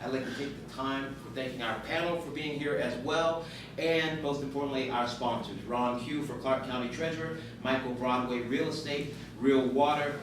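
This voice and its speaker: A man's voice: mid-range voice, fairly even intonation, moderate pace. A man moderating a candidate forum, thanking sponsors in a plain announcing way. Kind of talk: formal moderating. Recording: echoey room from far off, noisy.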